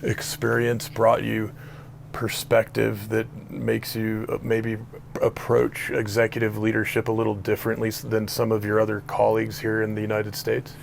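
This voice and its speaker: A man hosting an outdoor interview, asking measured, gently probing questions. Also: fairly low pitch, completely flat delivery, gravelly, slight background noise. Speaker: podcast host, interviewer.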